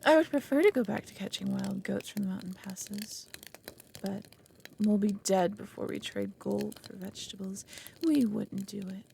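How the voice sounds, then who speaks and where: A woman's voice: medium pitch, normal speed, vocal fry, warm tone, a little hiss or hum. A woman playing an ancient, proud and lonely dragon, speaking solemnly in a dramatic audio roleplay. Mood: guarded, melancholy. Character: ancient lonely female dragon, proud, brooding, reluctant foster mother.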